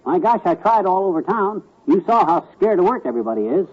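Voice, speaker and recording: An actor playing a stubborn, boastful husband in a 1940s radio sitcom, blustery and self-assured, on an old radio transcription. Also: male voice, high-pitched, very animated, quick pace, highs cut off.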